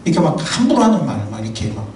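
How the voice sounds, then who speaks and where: A male pastor preaching a sermon in a church, animated and humorous, telling personal anecdotes. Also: on the high side, very fast, slight background noise. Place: church sanctuary. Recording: echoey hall from far off.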